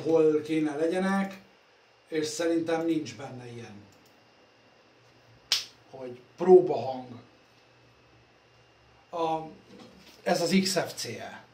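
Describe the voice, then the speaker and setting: A man talking casually while working on computers in his workshop, rambling and self-deprecating, recorded on a phone. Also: on the high side. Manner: rambling, self-deprecating, trailing off softly at phrase ends. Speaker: computer repair vlogger. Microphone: phone camera. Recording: echoey workshop room, faint ambience.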